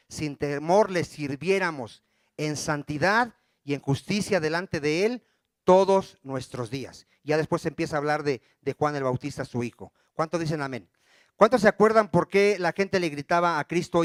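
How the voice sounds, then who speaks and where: A man's voice: a little high, no echo, studio quality. A male pastor preaching a sermon. He reads scripture aloud and keeps stopping mid-verse to fire questions at his congregation. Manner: quizzes the congregation with rapid questions.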